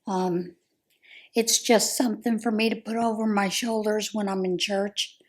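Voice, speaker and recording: An American woman whose voice is a little hoarse talks through a relaxed crochet vlog. Her talk is chatty and meandering, full of small ums and asides, with an easygoing, friendly pace. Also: medium pitch, unhurried. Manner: chatty, rambling, with frequent ums. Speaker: crochet vlogger. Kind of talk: casual chat.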